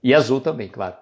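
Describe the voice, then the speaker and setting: A man's voice: mid-range voice, a little mellow. A Brazilian man hosting a spiritist livestream, chatting informally and addressing viewers directly by name. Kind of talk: casual livestream chat.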